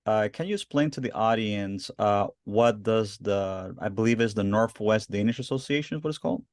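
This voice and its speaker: A man's voice: fairly low pitch, vocal fry, a little mellow, dry recording, studio quality. A man hosting an interview podcast, speaking with enthusiasm and rambling through restarts. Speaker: host, founder of the organization. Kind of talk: casual interview.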